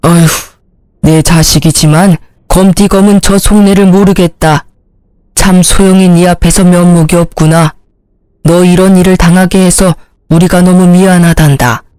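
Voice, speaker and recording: A woman voicing a stern older father-in-law who speaks gravely and in a measured way. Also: lowish voice, steady tone, dark tone, no room sound, voice pushed down, natural voice. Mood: apologetic.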